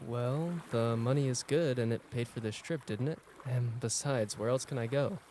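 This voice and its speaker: A man's voice: medium pitch, normal speed, warm tone, lightly acted. A man playing a dismissive, placating husband in a student radio play acted live. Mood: content. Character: dismissive husband on an anniversary getaway, placating his wife. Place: radio studio with live sound effects. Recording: faint background noise, live studio sound effects.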